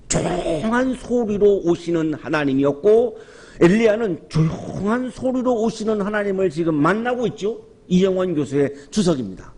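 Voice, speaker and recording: A man in his fifties gives a Sunday sermon with a fairly high voice. He tells the story at an easy pace and acts out quoted lines, some hushed and some called out loud. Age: 50s. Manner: storytelling with soft acted quotes and sudden raised exclamations. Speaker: pastor. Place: church sanctuary.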